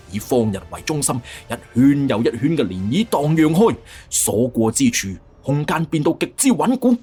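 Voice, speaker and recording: Man, Cantonese accent, fantasy audiobook narration, dramatic delivery, slightly rough voice, animated intonation, faint music behind. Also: medium pitch.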